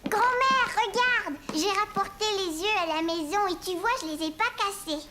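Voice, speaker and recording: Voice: very high-pitched, normal speed, bright, forceful tone, slight background noise. An actor voicing a curious, cheerful four-year-old boy with simple, eager childlike speech in a children's cartoon. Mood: proud, excited. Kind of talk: dubbed children's cartoon dialogue.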